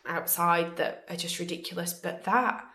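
A woman's voice: lowish voice, fairly even intonation, moderate pace, bright, forceful tone, reverberant. A woman hosting a casual interview podcast, informal and blunt in her way of talking.

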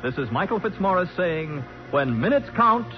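A man's voice: sits high, sing-song, moderate pace. A man with an American accent announcing from a script in emphatic, polished 1940s radio style. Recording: muffled 1940s radio recording. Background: music.

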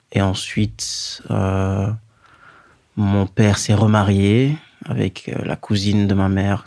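A man in his thirties from Guinea, a native Fula speaker, telling his own story as an interview guest in a measured way with many pauses and fillers. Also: lowish voice, darkish tone, no room sound. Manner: measured, pausing often with fillers. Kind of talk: reflective personal storytelling.

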